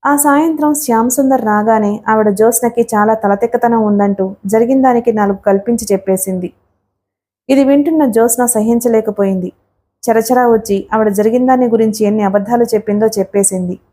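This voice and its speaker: A woman reads a long family story aloud in audiobook style. Her voice sits fairly high, but its tone is dark and mellow. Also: brisk. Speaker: narrator.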